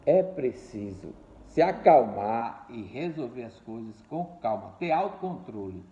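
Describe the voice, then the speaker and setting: A man's voice: medium pitch, animated, unhurried, mellow. An older man preaching a sermon, repeating key words and calling his listeners dear ones and brothers. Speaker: pastor. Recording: echoey room, dull lo-fi sound.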